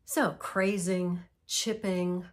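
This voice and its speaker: A middle-aged woman hosting a vlog, explaining in a gentle, measured way, sounding nasal from a cold. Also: fairly low pitch, steady tone. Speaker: vlog host. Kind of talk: casual instructional vlog. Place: antique mall, indoors.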